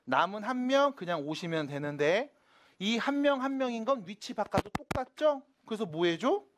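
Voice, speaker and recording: Background noise runs under a math teacher's classroom lecture, delivered in a mid-range voice with lively intonation. Shifting between casual and polite speech, he constantly asks students if they're following through quick, casual questions.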